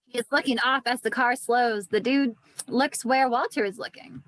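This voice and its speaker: High-voiced woman reading stage directions. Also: steady tone, moderate pace, a bit bright, rough recording. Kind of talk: scripted narration, table read of screenplay.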